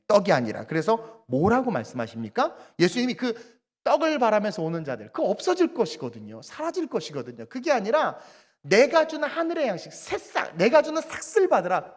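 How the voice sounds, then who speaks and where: Lively preacher in a reverberant sanctuary. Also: male voice, high-pitched. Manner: animated, swings between loud bursts and quiet asides, acts out dialogue. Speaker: guest preacher at a revival service. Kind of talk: sermon. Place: church sanctuary. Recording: long church reverb.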